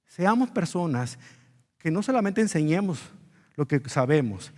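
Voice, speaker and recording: A male pastor preaches an earnest sermon, pitched high for a man. He pushes his key words upward for emphasis. His voice carries through the long reverb of a church.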